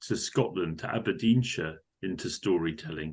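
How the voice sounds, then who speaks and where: Here is a man with a plain, everyday voice. He talks at a fairly slow pace with lively intonation. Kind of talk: casual interview talk.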